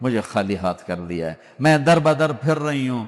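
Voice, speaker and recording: Very wide pitch swings move through the speech of a man whose voice is fairly high. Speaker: Islamic preacher. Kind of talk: religious sermon.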